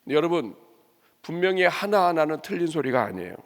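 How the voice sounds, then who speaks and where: Lively preaching man in a reverberant church. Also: a little high, fast. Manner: lively, asks the congregation questions and acts out complaints. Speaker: pastor. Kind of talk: sermon. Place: church sanctuary. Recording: long church hall reverb.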